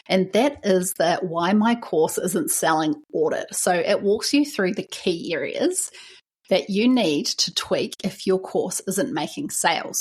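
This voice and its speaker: A woman's voice: lowish voice, breathy edge. A woman with a New Zealand accent hosting a solo podcast, chatty and encouraging, with frequent fillers. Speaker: podcast host.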